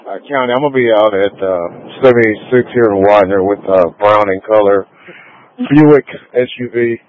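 A man's voice: fairly low pitch, normal speed, a little hiss or hum. A male patrol officer calling in over a police radio transmission in clipped codes, terse and matter-of-fact. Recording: tinny narrowband police radio.

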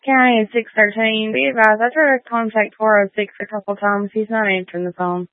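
A woman dispatcher reads out calls briskly over the radio. Her voice comes through tinny, dry and somewhat distant. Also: a little high, fairly even intonation, dry recording. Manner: brisk, procedural.

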